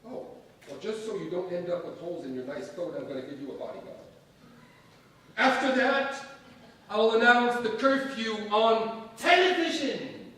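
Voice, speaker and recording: A man in a staged reading playing a domineering, menacing secularist strongman, emphatic and theatrical, with deliberate pauses. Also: high voice, lively intonation, bright, forceful tone, far from the mic. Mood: mock friendly. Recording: echoey stage from afar, faint noise.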